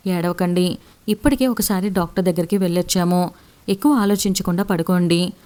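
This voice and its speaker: A woman's voice: on the low side, fairly even intonation, a little fast, a little mellow, close to an everyday voice. A woman narrator voicing a worried but determined young working woman, speaking earnestly. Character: young woman worker, anxious but resolute.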